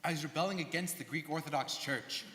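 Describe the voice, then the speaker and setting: A man's voice: a little high, fast talker, sharp tone. A young man, a student performer, giving an earnest, rehearsed stage narration of life stories. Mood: earnest recollection. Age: young adult. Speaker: student performer in a dramatic reading. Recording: echoey hall, live stage reading.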